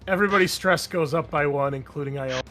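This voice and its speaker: A man's voice: a little high, fast. A man acting as game master, narrating scenes and calling for rolls in a tabletop roleplaying game. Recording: faint music behind the voice. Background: music.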